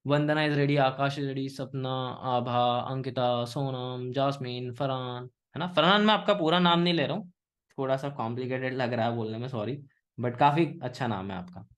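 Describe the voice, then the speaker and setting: A man from India teaching English in a live online class, mixing Hindi and English, often asking students questions and slowing down on example sentences. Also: medium pitch. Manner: Hinglish, engaging students with questions; slow, pausing model sentences.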